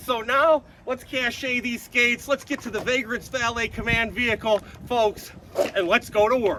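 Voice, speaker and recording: A man's raised, projected voice at an extremely high pitch, moderate in pace, with fairly even intonation. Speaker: YouTuber giving rides to homeless people.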